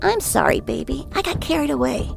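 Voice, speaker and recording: A woman voicing an excitable, hot-tempered wife in audiobook dialogue, swinging from sugary to snappish. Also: high voice, fairly quick, gravelly, faint music behind, pitched above the performer's own voice, full character voice. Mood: coaxing apology.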